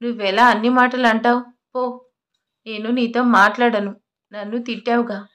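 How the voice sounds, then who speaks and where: A woman voicing a proud young wife in an audio love story, speaking softly, sulky and pleading. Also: fairly high pitch, level tone, moderate pace, close to an everyday voice. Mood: hurt.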